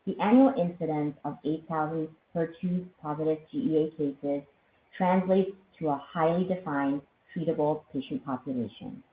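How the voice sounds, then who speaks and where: A woman executive giving a formal, measured scripted presentation on a corporate earnings call. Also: low-pitched. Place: conference call line. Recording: thin phone-like line, roomy echo, faint noise.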